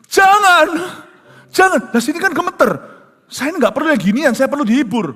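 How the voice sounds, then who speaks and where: A man voicing a weeping male spiritual mentor who pleads with God in a sobbing, shrill panic. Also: animated, fast talker, a bit bright, big-room sound.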